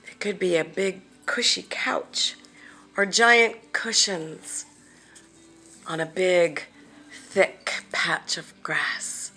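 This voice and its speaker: A woman guides a meditation at a very slow pace, in a slightly low voice. Her delivery is gentle and deliberate, leaving long pauses between phrases, some of them softly breathed. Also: husky, soft background music. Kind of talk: guided visualization, soothing meditation narration.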